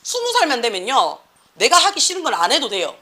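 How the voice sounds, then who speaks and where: A woman's voice: sits high, wildly swooping pitch, fairly quick, bright, forceful tone. A middle-aged woman with a Gyeongsang accent, an academy teacher lecturing and scolding students in a blunt, slangy way. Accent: Gyeongsang Korean.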